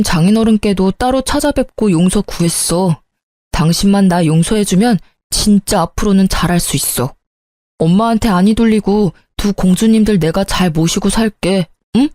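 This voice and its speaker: A woman's voice: medium pitch, dark tone, no room sound, studio quality, natural voice. Woman doing a begging young husband. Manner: begging, apologetic.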